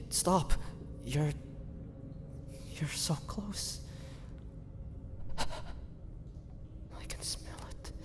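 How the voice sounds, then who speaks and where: A man voicing a starving, tormented vampire in a dramatic audio roleplay, speaking haltingly with breathy sighs. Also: on the high side. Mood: pleading, tempted. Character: starving young male vampire, tormented, pleading, fighting bloodthirst. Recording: long echoing reverb, faint background noise.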